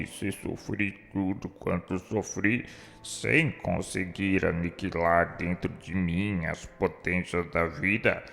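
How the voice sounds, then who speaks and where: An actor playing a remorseful, educated suicide's spirit in a radio drama, speaking solemn, formal, declamatory lines. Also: male voice, deep voice, gravelly, fairly bright tone, full character voice. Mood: solemn conviction. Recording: long hall reverb, music underneath.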